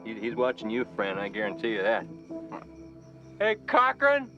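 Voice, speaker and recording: Bitter drunk vagrant, lively swooping pitch, muffled film sound with loud score. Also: male voice, normal speed. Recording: dull film audio with music.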